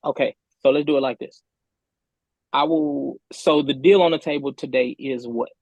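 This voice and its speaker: A man's voice: mid-range voice, steady tone, normal speed, creaky, darkish tone, dry recording. A man speaking as a defendant in a remote court hearing over buzzy, glitchy call audio, stammering and repeating words as he presses his point. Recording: dull, dry call line.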